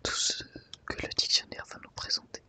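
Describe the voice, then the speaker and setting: A woman hosts an ASMR video, whispering softly and breathily with gentle, unhurried, careful phrasing. The microphone is placed slightly off to one side.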